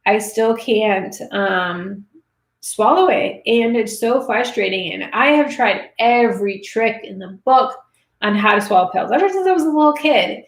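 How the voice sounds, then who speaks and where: A woman in her thirties hosting a casual livestream, chatting and reading viewer comments, her voice going raspy. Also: medium pitch, expressive, measured pace. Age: 30s. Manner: chatty, reads viewer comments, many fillers. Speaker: livestream host answering money questions. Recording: roomy echo.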